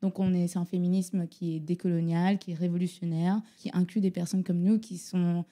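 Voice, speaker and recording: Une invitée explique longuement ses idées en hésitant souvent, d'une voix plutôt grave au timbre très sombre et doux. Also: female voice, lowish voice, level tone, brisk, warm tone. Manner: explanatory, hesitant with many fillers. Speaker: guest, activist collective member. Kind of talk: interview answers.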